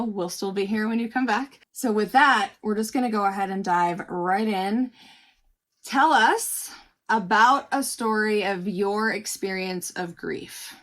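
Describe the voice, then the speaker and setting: A woman with an American accent speaking as the host of a panel show, introducing the discussion to viewers. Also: medium pitch. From United States. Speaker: podcast host. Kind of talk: scripted-sounding show introduction to camera.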